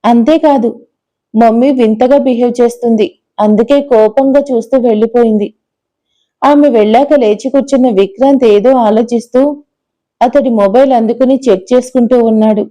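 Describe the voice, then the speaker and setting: Woman telling a love story, super mellow dark tone, bit high, dramatic and expressive. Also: moderate pace, rough recording. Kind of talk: scripted narration.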